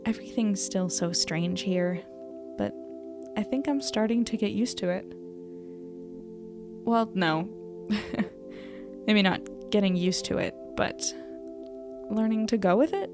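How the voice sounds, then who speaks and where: A woman's voice: medium pitch, slow pace, long pauses, music in the background. A woman playing an earnest young newcomer to a strange town in an audio drama, speaking in a hesitant, musing, conversational way. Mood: reflective, uncertain. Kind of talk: audio drama dialogue and reflective first-person narration.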